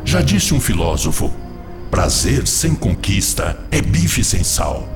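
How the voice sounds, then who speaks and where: Cunning tempter spirit, wildly swooping delivery. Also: male voice, lowish voice, very animated, slow pace, heavily acted. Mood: scornful goading. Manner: insistent, theatrical, persuasive, sententious. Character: seductive, cunning male obsessing spirit, lustful tempter. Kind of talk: radio drama acting. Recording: music behind the voice.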